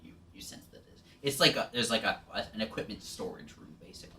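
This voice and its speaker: A man's voice: lowish voice, expressive, quick pace, bright, forceful tone. A man narrating a tabletop game as game master, hesitant and full of restarts. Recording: distant mic, faint background noise.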